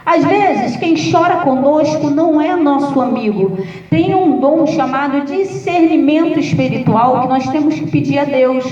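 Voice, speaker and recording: Brazilian lady pastor, high voice, preaching with jokes, sounds far from the mic. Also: measured pace. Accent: Brazilian Portuguese. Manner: lively, humorous storytelling with acted quotes. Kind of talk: sermon. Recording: echoey, distant, dull sound.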